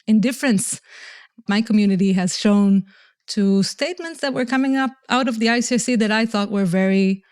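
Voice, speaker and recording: Smooth-voiced Israeli woman, measured and earnest. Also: mid-range voice, a little mellow, dry recording, studio quality. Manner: measured, earnest, with frequent restarts and hesitations. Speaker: legal advisor for a humanitarian organization. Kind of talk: podcast interview.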